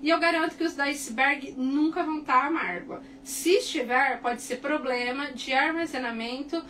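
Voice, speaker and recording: A Brazilian woman teaching cake decorating in a chatty, animated tutorial, often tagging her sentences with quick checks to the viewers. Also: high voice. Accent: Brazilian Portuguese. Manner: chatty, animated, repeats tag questions like "tá?" and "né?". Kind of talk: casual tutorial talk to viewers. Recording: distant mic with faint background noise.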